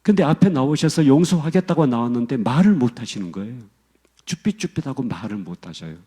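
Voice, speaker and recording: A man's voice: mid-range voice, big pitch swings, brisk, warm tone, husky. A male pastor preaching a sermon, telling a story with emphasis and speaking directly to the congregation.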